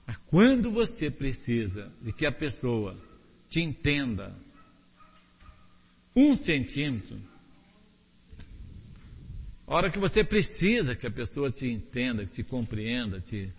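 A man preaching a sermon, animated, asking the congregation rhetorical questions. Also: mid-range voice, measured pace, long pauses, breathy edge, in a large hall, highs cut off.

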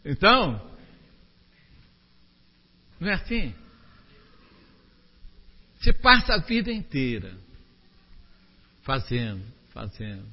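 A man preaching a sermon, animated, asking the congregation rhetorical questions. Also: medium pitch, slow, long pauses, slightly rough, long reverb tail, lo-fi sound.

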